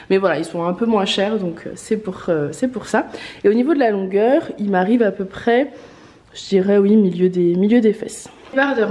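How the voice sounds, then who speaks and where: A woman with a congested, stuffed-up voice from a lingering cough, talking chattily to her viewers about outfits she tries on. Her pitch sits in an ordinary middle range, and she speaks with plenty of fillers and gushing praise. The sound carries a noticeable room echo. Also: mellow. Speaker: online clothing shop owner. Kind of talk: casual try-on haul vlog. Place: indoors, in front of a mirror.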